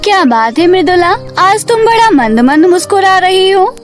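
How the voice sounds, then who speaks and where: A woman's voice: extremely high pitch, lively intonation, normal speed, soft background music. A woman playing a young, devoted and headstrong serpent princess in a cartoon story. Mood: friendly.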